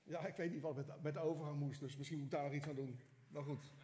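A man preaching from the pulpit, his voice a touch higher than most. He reads the scripture with lively expression, then slows into soft, halting prayer. The sound carries a long church reverb. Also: slight background noise. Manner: reads scripture expressively, prays softly with hesitations. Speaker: pastor. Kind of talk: sermon with scripture reading and prayer. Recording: echoey church hall.

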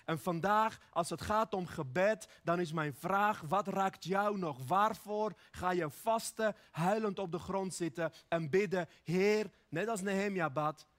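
A man from Armenia preaching an earnest, personal sermon, slowing down when he speaks prayers. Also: sits high, a bit bright.

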